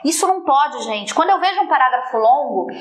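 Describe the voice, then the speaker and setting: A woman's voice: high voice, animated, a little fast, reverberant. A woman teacher giving an exam-prep lesson, playful and teasing as she talks her students through writing. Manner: playful, teasing, talks while drawing on a slide.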